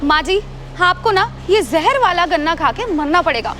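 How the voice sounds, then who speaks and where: A woman's voice: extremely high pitch, animated, moderate pace, a bit bright, slight background noise. An actress playing a bold young woman who insists and schemes, in a web drama. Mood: scheming. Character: young scheming woman, daughter-in-law or niece.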